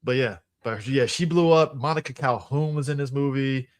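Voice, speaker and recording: A man co-hosting a podcast in relaxed, chatty casual conversation. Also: mid-range voice, normal speed, no echo. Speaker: podcast co-host. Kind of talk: casual chat.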